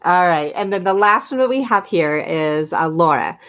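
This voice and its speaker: A woman's voice: lowish voice, expressive, normal speed, a bit bright. A woman co-hosting a podcast, chatting casually and rambling through questions for listeners with many restarts. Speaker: podcast co-host.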